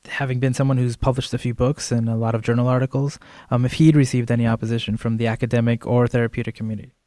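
A man's voice: medium pitch, little pitch movement, quick pace, warm tone, no echo, studio quality. A man hosting a podcast, introducing interview segments with enthusiasm and filler ums. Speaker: podcast host. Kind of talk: podcast narration between interview clips.

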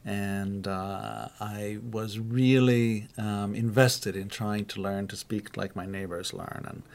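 A man's voice: on the low side, steady tone, slow, creaky. An American man, a university rector, answering questions as a podcast guest in a thoughtful, self-deprecating way. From United States. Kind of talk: relaxed conversational interview.

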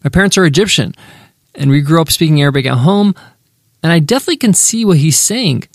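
A man's voice: on the high side, lively intonation, quick pace, dry recording, studio quality. A man hosting a business podcast, reading a sponsor ad with upbeat, salesy energy, then wrapping up the lesson. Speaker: podcast host. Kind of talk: podcast ad read and lesson wrap-up. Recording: faint guitar music behind. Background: faint guitar music.

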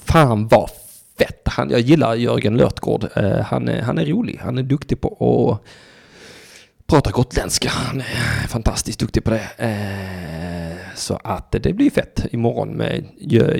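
Man, solo call-in host, very gravelly voice, rambling, sarcastic, swears a lot, talks to listeners directly. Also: mid-range voice, a little mellow. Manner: addresses listeners and chat directly. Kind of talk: casual solo call-in radio monologue.

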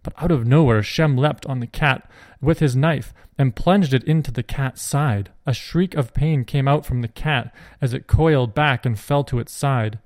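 Male storyteller, mid-pitched, steady clear reading, dry close sound. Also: moderate pace, no echo. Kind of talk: reading a Christian children's story aloud.

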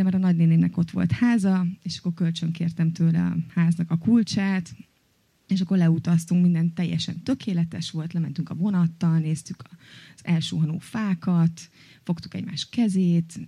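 Woman rambling thru her story w/ lots of fillers, mellow voice, dry sound. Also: on the low side, vocal fry, no echo. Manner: chatty, many fillers and hesitations. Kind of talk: personal story told on stage.

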